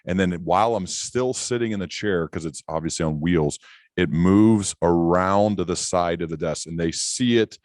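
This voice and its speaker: A man's voice: low voice, normal speed, a little mellow, no room sound, studio quality. A man hosting a podcast, telling anecdotes in a casual, conversational way. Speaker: podcast host.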